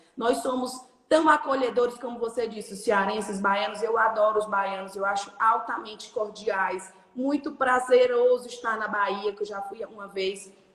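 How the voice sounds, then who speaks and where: A woman with a fairly high pitch speaks at a moderate pace over noticeable background noise. Her intonation stays fairly even while her loudness swings widely. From Brazil, Ceará (Serra da Ibiapaba). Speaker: lawyer. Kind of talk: live stream talk.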